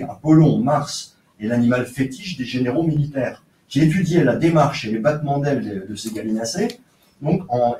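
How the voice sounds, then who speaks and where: A man's voice: mid-range voice, warm tone. Man lecturing in an echoey room. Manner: explanatory, with hesitations and many fillers. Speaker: archaeologist lecturer. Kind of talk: academic seminar lecture. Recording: roomy, distant lecture recording with faint noise.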